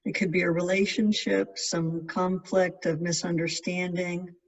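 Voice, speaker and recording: A meditation guide giving gentle, measured instructions in spaced-out phrases. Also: medium pitch, flat delivery. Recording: distant mic, dull lo-fi sound.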